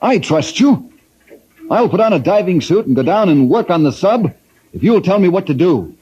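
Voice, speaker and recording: An earnest, resolute ranger hero. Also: male voice, high-pitched, lively intonation, normal speed, dark tone, breathy edge. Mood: firm. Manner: earnest, firm, persuasive. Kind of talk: 1950s radio drama acting. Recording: dull old radio broadcast with faint hiss.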